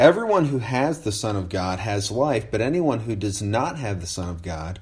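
A man speaks in a somewhat breathy voice with very wide pitch swings. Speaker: pastor. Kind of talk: sermon-like Christmas message.

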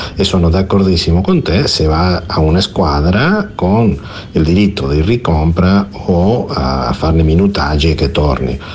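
Noticeable background noise runs behind this man. His very deep, low pitch shows ordinary variation. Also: fairly slow pace. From Milan, northern Italy. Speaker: football fan sending voice message. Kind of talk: voice message.

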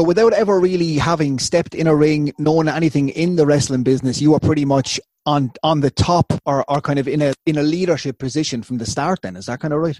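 With a Waterford accent, a man talks very fast with hardly any pauses, his pitch fairly high, in a dry, close sound with no echo. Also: ordinary pitch variation. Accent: Waterford Irish. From Ireland, Waterford. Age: 30s. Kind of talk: monologue intro; casual interview chat. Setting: remote call.

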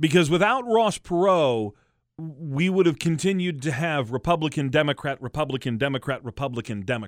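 Lively and fairly quick, a man with an American accent has a plain, everyday voice at a fairly high pitch, recorded very cleanly against a silent background with a dry, close sound and no echo. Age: 40s. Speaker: political commentator. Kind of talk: political monologue.

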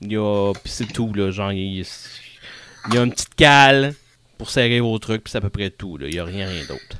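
A man speaks in a Quebec accent with a bright, sharp tone. His loudness swings widely, and he leaves long, frequent pauses. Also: fairly low pitch for a man, ordinary pitch variation, moderate pace. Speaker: game master of a tabletop role-playing podcast. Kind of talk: tabletop role-playing game session.

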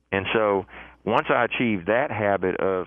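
Speaking at a moderate pace, a man with an American accent has an unremarkable speaking voice, a fairly low pitch and fairly even intonation. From Houston, Texas. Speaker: school principal. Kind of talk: interview.

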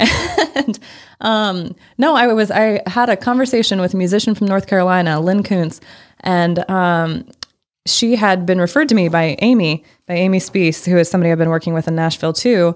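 A woman talks at a moderate pace in an ordinary speaking voice. Her medium pitch has ordinary variation, and her loudness stays very even. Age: 20s. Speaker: podcaster and photographer. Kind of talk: casual chat.

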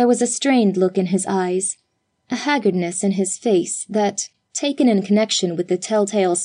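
An unforced reading voice with ordinary pitch variation, set against a quiet background.

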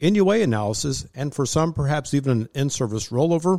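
With an ordinary speaking voice, a man at a fairly high pitch talks at a fairly quick pace with lively intonation, in dry, close sound with no echo. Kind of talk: radio co-host patter, plugging phone number and station break. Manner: brisk, salesy, clearly enunciated, friendly.

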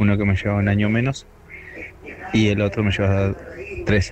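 A man's fairly low voice in a monotone, flat delivery, with noticeable background noise. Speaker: listener. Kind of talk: testimony. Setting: voice message.

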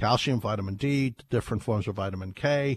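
At a moderate pace, a somewhat breathy man speaks with a dry, close sound with no echo against a quiet background. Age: 60s. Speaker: radio host and pharmacist nutritionist. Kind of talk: health radio talk and product promotion.

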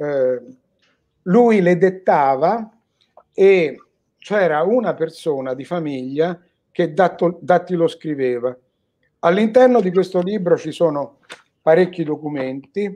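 The voice has a dark, mellow tone and lively intonation, moving at a very slow pace with long, frequent pauses. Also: man, high pitch for a man. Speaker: author and UFO researcher. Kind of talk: interview.

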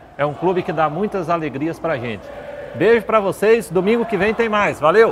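Noticeable background noise behind a man's high-pitched voice with lively intonation. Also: moderate pace. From Curitiba, southern Brazil. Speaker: football show host. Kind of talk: casual football talk show.

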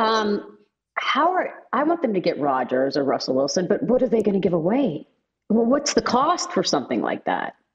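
This woman has a fairly high voice with very wide pitch swings and vocal fry. Her pace is moderate and her loudness very even. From Pittsburgh. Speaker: sports broadcaster. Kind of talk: radio sports talk.

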